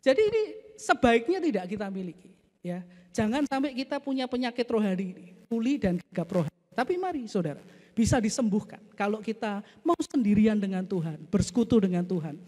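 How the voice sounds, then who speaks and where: Animated male pastor preaching in an echoey church. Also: high-pitched, a little fast. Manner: animated, emphatic, addresses congregation as "saudara". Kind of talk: sermon.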